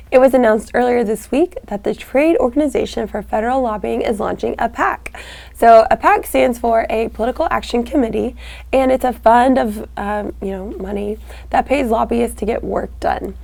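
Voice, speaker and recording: A young adult woman with a raspy, gravelly voice co-hosts a casual podcast chat. She laughs often and gropes for words with fillers as she talks things over. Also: fairly high pitch, moderate pace, darkish tone. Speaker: co-host.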